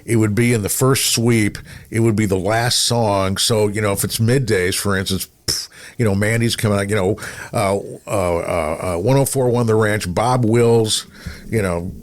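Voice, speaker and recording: A middle-aged man from Minnesota with a fairly low voice hosts a relaxed conversation. He rambles through questions and stories, circling back and repeating words as he goes. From Minnesota, United States. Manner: rambling, halting, repeats himself. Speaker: podcast co-host, radio veteran. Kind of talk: casual conversational interviewing.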